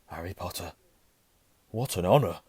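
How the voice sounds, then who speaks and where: A man's voice: medium pitch, expressive, fast, mellow, no room sound, voice pushed up, natural voice. Casting: man as elderly male publican, reverent, emotional, swooping delivery, storybook. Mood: hushed awe. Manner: exclaiming in awe. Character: bald old barman, awestruck and emotional.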